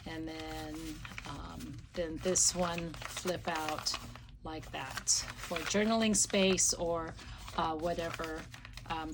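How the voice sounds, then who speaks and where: Hoarse woman chatting through a craft tutorial. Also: low-pitched, background noise. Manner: rambling, many ums and restarts. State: losing her voice, slight cough. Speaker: craft channel host.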